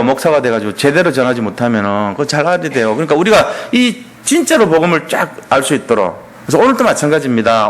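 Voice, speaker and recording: A man pastor preaching an emphatic, animated sermon in a church, often acting out quotes. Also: a little high.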